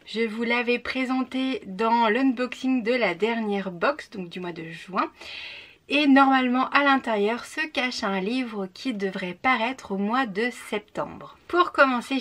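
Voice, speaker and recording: A woman's voice: fairly high pitch, a bit bright. A young woman chatting cheerfully as she unboxes a monthly book box. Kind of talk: casual unboxing chat.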